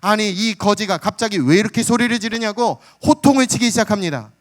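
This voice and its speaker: High-voiced Korean pastor preaching with drama. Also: male voice, lively intonation, fairly quick. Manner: dramatic storytelling, acts out the beggar's cries; calls out "hallelujah" and addresses the congregation. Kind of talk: sermon.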